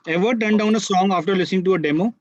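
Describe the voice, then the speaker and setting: A man's voice: high-pitched, racing, dry recording. A man asking short interview questions, sometimes stumbling over his words. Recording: dull, dry lo-fi audio.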